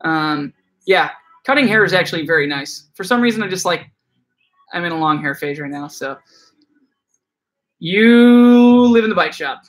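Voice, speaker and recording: Bright-voiced young man rambling casually. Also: high voice, animated, normal speed, long pauses. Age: 20s. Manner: loose and rambling, many fillers and restarts. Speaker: bike shop owner. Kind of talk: casual live-stream chat reading comments. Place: his bike shop.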